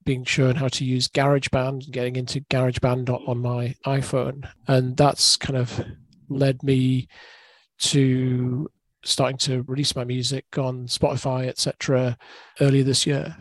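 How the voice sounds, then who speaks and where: A man's voice: mid-range voice, little pitch movement, moderate pace, dry recording. A middle-aged man, a guest musician, talking hesitantly in an interview and repeating words as he searches. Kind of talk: casual interview chat.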